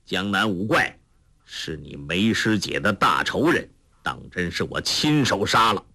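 A man's voice: deep voice, lively intonation, unhurried, bright, forceful tone, heavily acted. A man voicing a proud, eccentric older male martial master in a storybook, haughty and given to mocking laughter. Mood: scornful.

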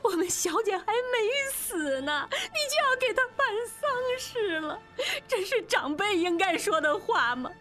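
Lady doing a wailing old maid, shrill and teary, voice way up high. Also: bright, forceful tone, full character voice. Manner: sobbing, shrill pleading. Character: older maidservant, grief-stricken and wailing.

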